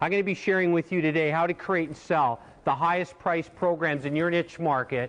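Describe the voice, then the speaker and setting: With a Canadian accent, a man speaks in an energetic tone at a fairly quick pace. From Windsor area, Ontario, Canada. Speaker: business coach. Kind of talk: keynote speech. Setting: live audience, room.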